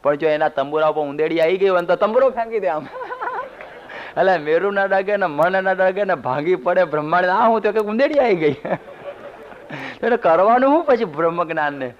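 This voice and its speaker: Guy preaching a sermon, tells stories w jokes, bit high voice, smooth, dull old cd sound. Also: sing-song, normal speed. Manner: storytelling, homely humorous asides. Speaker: monk giving a religious discourse. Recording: dull lo-fi CD recording.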